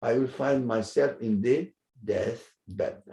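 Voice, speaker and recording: A man explaining a religious text in an animated way, chuckling often and pausing to search for words. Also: medium pitch, roomy sound. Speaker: religious teacher.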